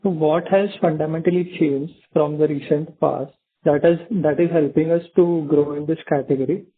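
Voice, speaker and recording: A man's voice: a little high, steady tone, normal speed, husky. A man asking polite questions as an analyst on a call. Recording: narrow telephone line.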